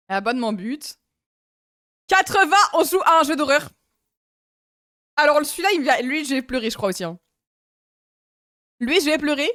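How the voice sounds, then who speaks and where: A young woman streamer with a high, bright voice chats with her viewers in a loose, giggly way, breaking off often to react and laugh. The sound is dry and close, with no room around it. She is from France. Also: dry recording. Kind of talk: casual live-stream chat.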